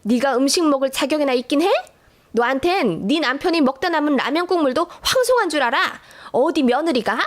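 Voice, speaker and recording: A woman voicing a sharp-tongued older mother-in-law who scolds and nags in a storybook reading. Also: lively intonation, moderate pace, few pauses. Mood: scolding. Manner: shrill, scolding, nagging.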